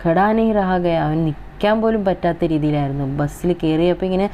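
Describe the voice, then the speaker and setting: A woman with a Malayali accent teaching a Hindi school lesson, slowly reading each line and then explaining it. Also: fairly low pitch, lo-fi sound, slight background noise.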